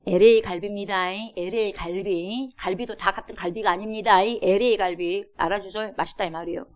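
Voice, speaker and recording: A woman's voice: mid-range voice, steady tone, fairly quick, a little mellow. A woman pastor preaching a sermon in a church, emphatic, firing rhetorical questions at the congregation and acting out quotes. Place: church sanctuary.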